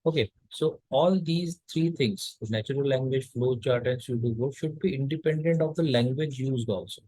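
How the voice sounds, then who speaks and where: Speaking at a middle pitch with a mellow voice, a man from India delivers a recorded college lecture, patiently explaining each step while often pausing on fillers and restarting sentences. The sound is dry and close, with no echo or room sound, and the recording is rough.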